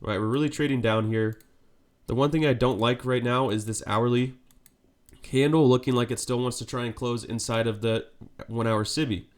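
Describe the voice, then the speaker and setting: Stuffy-nosed guy talking through trades live, steady and explaining, keeps asking "right?". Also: medium pitch, moderate pace. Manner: steady explanatory, frequent "right?" check-ins. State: congested with a cold. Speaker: live trading streamer. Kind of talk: live market commentary.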